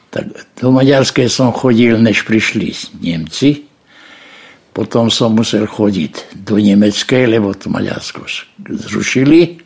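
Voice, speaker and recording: A man speaks at a fairly slow pace with a medium pitch. His pitch variation is ordinary, and there is noticeable background noise. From Bratislava, Slovakia. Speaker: war and persecution witness. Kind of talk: testimony.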